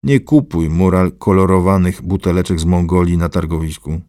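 A man's voice: low-pitched, normal speed, mellow, no echo, clean studio sound, natural voice. A man voicing an arrogant, domineering middle-aged man who gives orders in a haughty, sardonic way. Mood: scornful.

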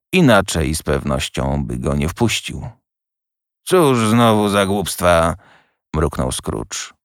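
Lively low-voiced male narrator. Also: vocal fry, no room sound, studio quality. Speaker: audiobook narrator. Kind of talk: scripted narration.

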